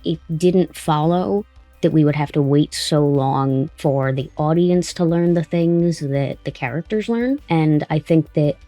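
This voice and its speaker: An interview host and audio drama writer with a creaky voice, talking conversationally. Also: medium pitch, unhurried, mellow, no room sound, soft background music.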